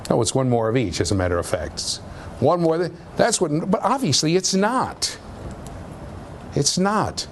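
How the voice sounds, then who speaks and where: Male professor, low voice, animated pitch, keeps asking "okay?", classroom tape with light noise. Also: normal speed. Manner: conversational, checks understanding with frequent "okay?". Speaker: university lecturer. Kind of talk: classroom lecture. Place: lecture room.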